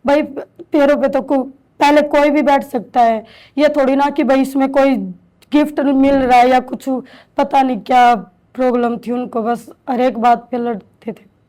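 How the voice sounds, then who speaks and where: A woman in her thirties slowly recounting her own story with halting restarts, as an interviewee in a shelter home. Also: sits high, fairly even intonation, dark tone. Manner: halting, slow, hesitant with restarts. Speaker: interviewee, domestic violence survivor. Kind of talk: emotional personal testimony.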